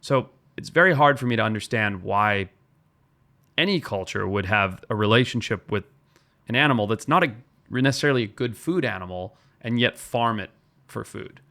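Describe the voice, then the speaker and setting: A man's voice: fairly low pitch, expressive, moderate pace, pushed and bright. A man from Zimbabwe, a wildlife biologist guest, explaining and telling stories in an earnest podcast talk.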